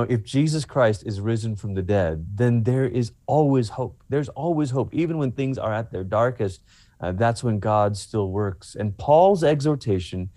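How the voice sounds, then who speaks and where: A man's voice: mid-range voice, darkish tone, no echo. A man from Malaysia, a pastor and author, speaking earnestly as a guest in an interview and repeating himself as he builds a point.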